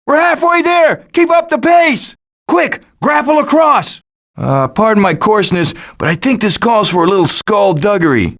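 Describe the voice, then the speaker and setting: A man voicing a cocky, scheming, wisecracking raccoon leader in an animated video game, with a glib, theatrical delivery. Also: high-pitched, moderate pace. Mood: excited, rallying, then smooth, glib.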